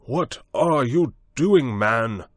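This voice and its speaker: A man's voice: mid-range voice, steady tone, normal speed, dark tone, slightly rough, no echo, studio quality, voice pushed up, close to an everyday voice. A man voicing a flustered, out-of-breath assistant who calls out urgently and agitated. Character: flustered, panting male assistant.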